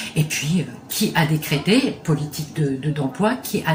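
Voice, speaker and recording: A woman's very deep, low pitch over noticeable background noise. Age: 60s. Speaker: unemployed senior giving testimony. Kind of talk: testimony. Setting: to camera. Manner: hesitant, many fillers.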